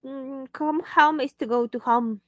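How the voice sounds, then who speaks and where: Woman English teacher, slow and patient delivery, fairly high voice, dull dry call audio. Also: no room sound. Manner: slow, patient, switching into Spanish to explain. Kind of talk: online English lesson.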